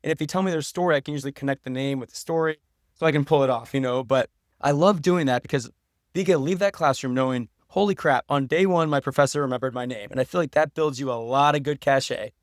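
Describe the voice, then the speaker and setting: Fast-talking middle-aged American man, chatty. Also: medium pitch, no echo, studio quality. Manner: chatty storyteller, colloquial. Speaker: podcast guest, writer and professor. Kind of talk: casual podcast conversation.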